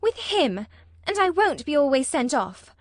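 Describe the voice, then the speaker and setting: A woman doing a lovesick, indignant young girl with a high voice. She pleads and protests petulantly. The voice is recorded close and dry, like an audiobook. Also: sing-song, measured pace, no room sound. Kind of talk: audiobook character voice.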